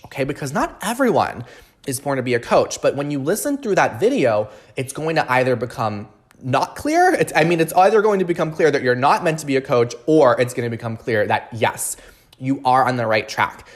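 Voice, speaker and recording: A man speaking as a podcast host and coaching trainer, explaining things in an earnest, emphatic way and often checking in with the listener. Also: medium pitch. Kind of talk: solo podcast talk, promotional explainer.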